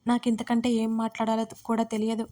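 A gentle, caring young woman from an audio story, read by a woman narrator. She speaks softly and reassuringly, in a higher voice with little rise and fall. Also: monotone, a little fast, lightly acted. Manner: soft and reassuring.

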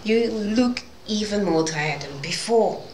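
A woman's voice: medium pitch, takes it slowly, a little mellow, lightly acted. A young woman playing a sly, teasing serval, a bouncy wild cat, in a live audio drama with mock sympathy. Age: young adult. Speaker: amateur actor in an audio drama. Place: large wood-panelled conference hall, indoors. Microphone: microphone on a stand, filmed by camera. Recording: echoey hall, faint background noise.

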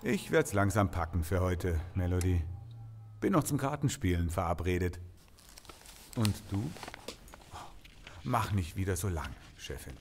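An actor as an easygoing provincial detective in an audio drama. His voice is lowish and lively in intonation, colloquial and familiar, over faint noise. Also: a little slow, pauses often, heavily acted. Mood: easygoing, teasing. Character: easygoing, familiar small-town Swiss police detective. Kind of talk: German audio drama acting.

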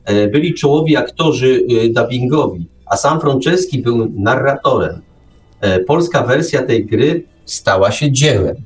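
A man's voice: medium pitch, lively intonation, unhurried, recorded from a distance. Male radio host, slightly off the mic. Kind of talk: casual chat.

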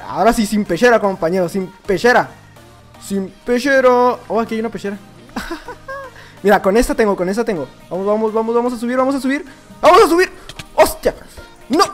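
A young man with a Mexican accent commenting on his own gameplay, excitable and prone to shouts and laughter, muttering to himself between bursts. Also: sits high. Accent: Mexican Spanish. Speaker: gaming YouTuber. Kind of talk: live Minecraft gameplay commentary.

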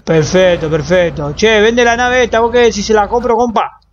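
A man's voice: sits high, normal speed, dull audio, crowd noise. A man with a Rioplatense accent joking crudely as a car dealer in a game roleplay stream. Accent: Rioplatense Spanish. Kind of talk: GTA roleplay stream banter.

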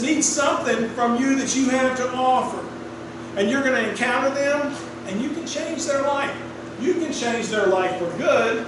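A middle-aged male pastor with a high voice, preaching in an easy, storytelling way that draws replies from the pews. He is picked up from across a small wooden sanctuary, so the sound is very roomy and distant. A steady air-conditioner hum runs underneath. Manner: conversational storytelling preaching, asks the congregation for responses. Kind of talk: sermon. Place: small wood-paneled church sanctuary. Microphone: room mic from a distant camera. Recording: echoey room, distant mic, clear air-conditioner hum.

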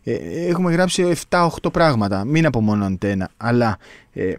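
Male sports-podcast co-host, mid pitch, halting delivery with many fillers, dry close recording. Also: big pitch swings, no echo. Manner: hesitant, many fillers and restarts. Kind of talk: casual sports podcast chat.

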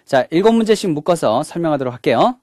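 A man's voice: on the high side, big pitch swings, fast, darkish tone, no echo, clean studio sound. A man giving a recorded English grammar lecture, walking through each point step by step and opening each one with a short "자". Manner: mixes English words into the explanation.

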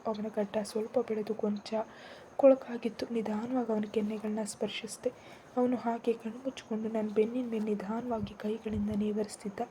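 A woman reading a first-person romance story in a soft, half-whispered, intimate way. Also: a little high, slight background noise.

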